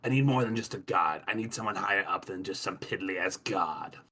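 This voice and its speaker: A pompous, bossy inspector, as a player puts him on, low and forceful, full of bluster and condescension. He stalls on ums and restarts, then barks orders. The tone is tense and pushy. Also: a little fast, breathy edge, full character voice. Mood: brusque. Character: brusque male safety inspector, pompous and condescending. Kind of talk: tabletop game role-play.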